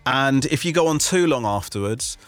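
A man hosting a radio call-in game, chatting in a lively, self-deprecating way with joking asides. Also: medium pitch, normal speed, no echo. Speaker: radio host.

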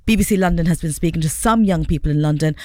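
A woman's voice: low voice, fast talker, a little mellow, dry recording, studio quality. A woman reporter speaking live on radio, hesitant and full of fillers as she sets up a story. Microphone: studio microphone.

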